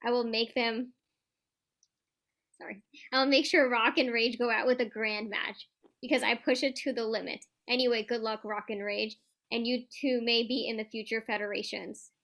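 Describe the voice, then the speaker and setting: A cocky, trash-talking pro wrestling champion, acted by a woman in a staged reading. The voice is fairly high and bright, with a sharp edge. The delivery is boastful and challenging, with occasional stumbles over the script. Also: steady tone, moderate pace, creaky.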